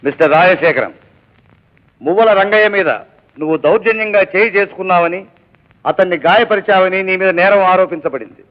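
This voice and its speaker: Actor playing a stern judge, formal, measured, fairly high voice, dull old film sound. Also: male voice, close to an everyday voice. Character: stern courtroom judge, middle-aged man.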